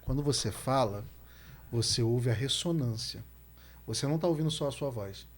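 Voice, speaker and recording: A man's voice: mid-range voice, moderate pace. A man, hosting a casual podcast interview and explaining things conversationally. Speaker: podcast host.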